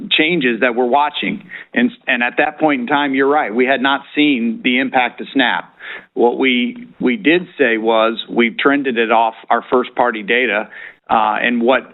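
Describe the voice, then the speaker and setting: A man speaking as a company executive answering questions on an earnings call, in a measured, halting corporate manner. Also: mid-range voice. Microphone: conference call line. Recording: narrow-band conference phone line.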